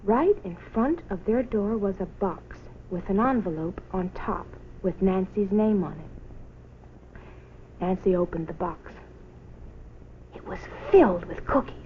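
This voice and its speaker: A woman narrates a children's story with expression, in a medium-pitched voice. The sound is that of an old film track, dull and a little noisy. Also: slow pace, pauses often.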